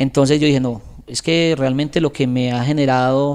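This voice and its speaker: Monotone and flat in intonation, a man talks at a medium pitch. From Antioquia, Colombia. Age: 30s. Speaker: content creator and radio announcer. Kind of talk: casual interview.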